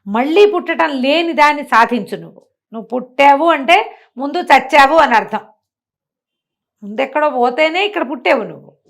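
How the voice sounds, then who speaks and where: A woman's voice: sits high, expressive, moderate pace, pitched above the performer's own voice. A woman storyteller voicing the Buddha as a serene, firm male teacher who admonishes and instructs. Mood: preaching.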